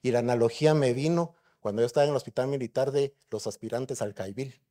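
A man's voice: mid-range voice, fast, warm tone. A middle-aged man, a neurosurgeon giving a conference lecture in a conversational way and putting rhetorical questions to the audience. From Guatemala.

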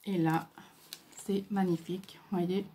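A woman from France talks through her crafts in a casual show-and-tell, unhurried and full of fillers. Her voice is warm and mellow, never bright. She sounds soft and admiring, pausing often to find her words. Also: lowish voice, fairly even intonation, slight background noise. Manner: hesitant, many fillers and pauses. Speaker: craft video host.

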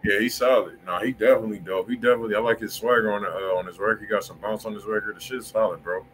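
A man's voice: lowish voice, fairly even intonation, very fast, a bit bright, a little hiss or hum, rough recording. A man with an American accent chatting casually and slangily as he hosts a music review livestream. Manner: slangy, informal. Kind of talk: casual chat, informal song feedback.

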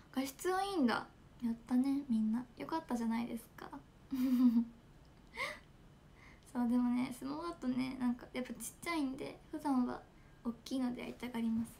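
A high, bright young woman chats casually and giggles through a livestream. Her voice has a gravelly fry at the edges, and a faint hiss of phone-mic noise sits under it. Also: fairly quick, long pauses. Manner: giggly, chatty, reads fan comments. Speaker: idol livestreamer. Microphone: smartphone.

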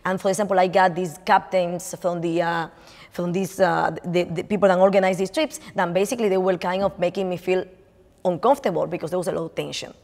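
A woman's voice: on the low side, steady tone, fairly quick, a little mellow. Middle-aged woman with a Dominican Spanish accent, chatty lecturer in a reverberant hall, many restarts. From Dominican Republic. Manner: chatty, many restarts and fillers, gesturing as she speaks. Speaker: visiting artist lecturer. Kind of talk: lecture on her art. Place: lecture room in front of a projected slide.

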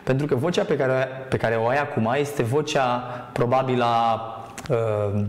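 Man, TV talk guest, earnest and hesitant, spiritual talk, roomy studio sound. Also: medium pitch. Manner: earnest, hesitant with many fillers, sometimes chants softly.

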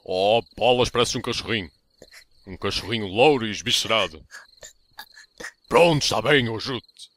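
A man's voice: lowish voice, moderate pace, pauses often, natural voice. A man voicing a sarcastic, bloodthirsty male vampire in a comedic anime parody dub, with a European Portuguese accent and flippant, mocking delivery. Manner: mocking, flippant, swinging into sudden outbursts. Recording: loud music behind voice.

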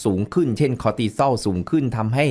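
A man's voice: medium pitch, fast, darkish tone. A man who is a nutrition expert, explaining as an interview guest in a casual, lecturing way, dropping in English technical terms.

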